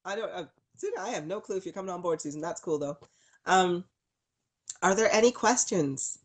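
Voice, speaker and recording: A woman with a somewhat low-set voice talks casually to her livestream audience. She is a storyteller hosting the session, informal and effusive. She addresses viewers one by one with affectionate pet names. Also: expressive, brisk. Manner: gushing, informal, uses endearments like sweetie. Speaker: livestream host, storyteller and psychic healer.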